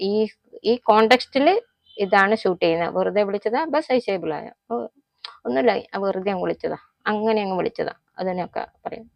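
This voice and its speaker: Woman, Malayali accent, Malayalam native speaker, casual language lesson, repeats example phrases slowly, mid-pitched voice. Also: gravelly, no room sound, highs cut off. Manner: explains phrases slowly and repeats them, sounding out example lines. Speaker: Hindi language teacher.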